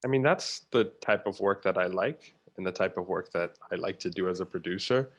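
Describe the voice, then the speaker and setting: A man's voice: low voice, fairly quick. A man speaking as an interview guest, casual and anecdotal, dropping little quoted asides into his explanations. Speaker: theatre producer, interview guest.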